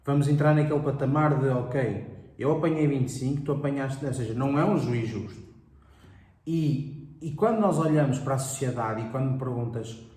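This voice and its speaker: A man's voice: mid-range voice, a little fast, warm tone. A man co-hosting a Bible study discussion, explaining at length with examples, restarting words and often agreeing. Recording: echoey room.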